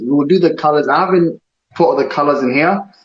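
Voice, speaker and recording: A man speaks at a fairly high pitch and a fairly quick pace. His tone is animated, with ordinary pitch variation. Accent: Somali. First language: Somali. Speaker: online video host comparing languages. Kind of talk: casual chat.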